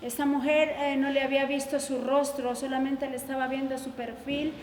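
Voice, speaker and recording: A woman's voice: high voice, little pitch movement, moderate pace, slight background noise. A woman giving an earnest, insistent sermon testimony. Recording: echoey hall reverb.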